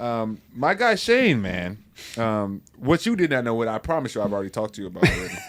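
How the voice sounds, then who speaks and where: Amid noticeable background noise, a man with an animated tone speaks at a medium pitch and a fairly quick pace, his intonation lively. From Mississippi, then California. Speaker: podcast host. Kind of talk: casual interview chat.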